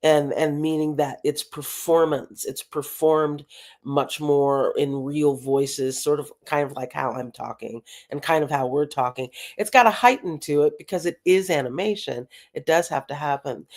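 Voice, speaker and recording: A woman talent agent giving emphatic advice as an interview guest over a video call, with quick restarts as she explains. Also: low voice, a little mellow.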